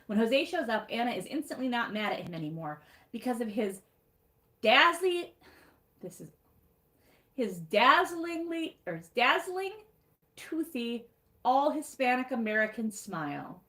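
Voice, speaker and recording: A woman's voice: fairly high pitch, sing-song, unhurried, long pauses, a bit bright, reverberant. A woman with a Michigan accent reading her own snarky book recap aloud on a livestream, wry and sarcastic, with laughs at her own jokes.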